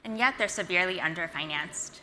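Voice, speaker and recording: A woman from Singapore, a founder giving an earnest, energetic conference talk. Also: on the low side, fairly quick, a little hiss or hum. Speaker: startup founder and CEO. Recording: reverberant hall, faint ambience.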